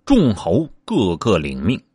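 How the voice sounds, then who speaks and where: A man narrates a classic novel at an unhurried pace, pausing on hesitant fillers. His voice is husky and moves up and down a lot. The recording is close and dry. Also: lowish voice, huge pitch swings, dark tone, dry recording. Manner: measured, with frequent hesitant fillers. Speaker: storyteller.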